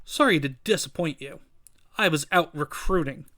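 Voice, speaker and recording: Wisecracking comic-book hero, read by a man: cocky, breezy, teasing, slightly high male voice. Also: normal speed, sharp tone.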